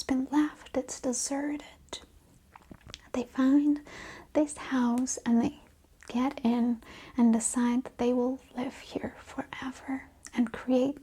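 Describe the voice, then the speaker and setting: Slow whispering woman, breathy ASMR. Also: high-pitched, dark tone. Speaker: ASMR video host. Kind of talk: ASMR, soft-spoken casual chat.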